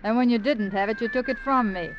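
A woman's voice: a little high, quick pace, faint music behind, natural voice. An actress playing a fed-up young showgirl with a cutting, sarcastic manner in a 1950s radio drama. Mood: scornful. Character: fed-up young woman showgirl, sharp-tongued. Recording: dull old radio recording.

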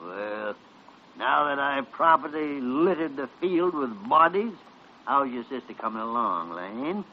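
An actor playing a gruff, bossy senior hospital doctor who barks orders and teases, in an old radio drama. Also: male voice, mid-range voice, very animated, unhurried, slight background noise. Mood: dry. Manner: barking, teasing, growly. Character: gruff bossy older male chief doctor. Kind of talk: 1950s radio drama acting. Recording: dull lo-fi old radio recording.

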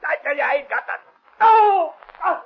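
A man's voice: high-pitched, animated, brisk, breathy edge. A man playing a frightened, pleading American barman in a 1930s radio crime drama, whining and begging. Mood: terrified pleading. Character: terrified, pleading crooked gambling-joint barman. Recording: muffled old radio drama recording.

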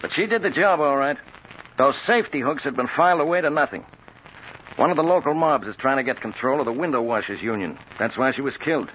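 Blunt police captain, dry wit, lively pitch, played by a man, old radio. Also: fast, slight background noise, natural voice. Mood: wry. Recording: dull old radio broadcast.

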